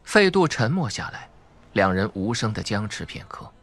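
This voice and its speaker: Casting: male audiobook narrator, lowish husky voice, dramatic scripted delivery for suspense fiction. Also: sing-song, normal speed.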